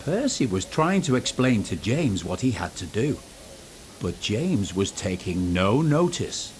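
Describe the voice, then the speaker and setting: A man's voice: fairly low pitch, sing-song, a little slow. A man narrating a scripted children's story as storyteller.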